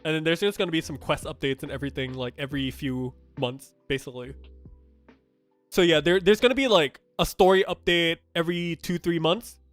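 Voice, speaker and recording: Streamer casting: young man from Thailand, Thai and Japanese native, fairly high voice, blunt chatty gaming commentary, faint music under it. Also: a little fast, fairly bright tone, dry recording. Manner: chatty and blunt, with frequent fillers and restarts. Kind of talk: casual game news reaction commentary.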